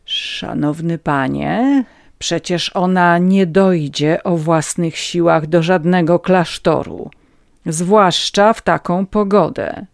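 A reader voicing a calm, dignified gentleman who speaks firmly and courteously, in an audiobook reading. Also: medium pitch, moderate pace, smooth, no room sound, clean studio sound, pitched above the performer's own voice, close to an everyday voice.

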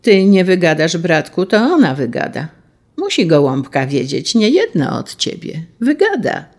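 A woman's voice: lowish voice, very animated, a little slow, a little mellow. A woman voicing mocking male interrogators who taunt a prisoner.

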